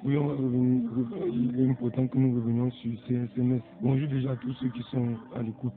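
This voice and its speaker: A man, a guest pastor on a Christian radio show, talking in a measured way and blessing the listeners. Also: medium pitch, level tone. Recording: tinny lo-fi radio broadcast.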